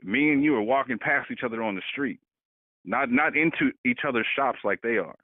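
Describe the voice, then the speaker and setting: A man making his case in an animated way, often stumbling over repeated words as he pushes a point. His voice sits at a middle pitch and sounds dry, with the thin, tinny quality of a phone line. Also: a little fast, dry recording. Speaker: podcast co-host. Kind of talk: casual political discussion.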